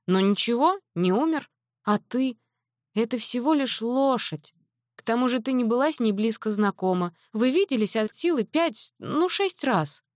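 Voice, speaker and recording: A woman voicing a frantic, scolding middle-aged mother in an audiobook, her delivery shrill and exasperated. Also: dry recording, studio quality, lightly acted. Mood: stern calming. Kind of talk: audiobook character voice.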